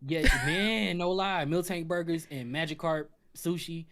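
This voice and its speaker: A man's voice: a little high, measured pace, fairly bright tone. A man chatting casually as a panelist, thinking aloud as he weighs his answers. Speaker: panelist on a gaming talk show. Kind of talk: casual group chat.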